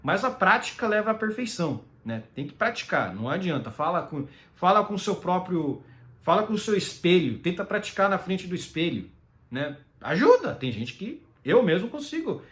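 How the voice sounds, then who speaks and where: Animated Brazilian man talking casually. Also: high voice, normal speed. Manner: rambling, with many fillers and tag questions. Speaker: commentator. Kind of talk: casual solo commentary.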